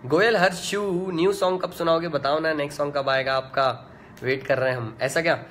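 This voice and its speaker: Laid-back young man, slightly high voice. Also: fairly quick, fairly bright tone, a little hiss or hum. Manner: laid-back and chatty, full of "yaar" and "matlab" fillers. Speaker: singer hosting a fan live chat. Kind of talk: casual live chat, reading out fan comments.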